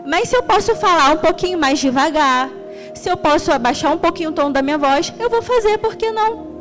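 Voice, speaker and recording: A young woman from Rio de Janeiro preaches in a high, bright voice with a strong Carioca accent. She tells her stories in an extroverted, animated way, warm with laughter. Faint music plays softly underneath. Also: a little fast. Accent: Carioca Portuguese. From Rio de Janeiro, Brazil. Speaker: deaconess preaching. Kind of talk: sermon.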